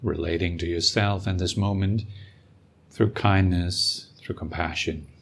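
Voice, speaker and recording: Deep-voiced man guiding a slow meditation. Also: a little hiss or hum. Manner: calm, unhurried, with long pauses. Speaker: meditation teacher and podcast host. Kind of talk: guided meditation, slow and soothing.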